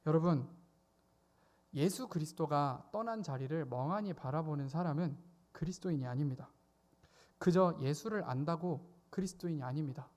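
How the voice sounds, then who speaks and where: A male youth pastor delivers a sermon at a church service. His voice sits a little high for a man. He talks in an animated way, rising into sudden loud exclamations whenever he acts out a quoted voice.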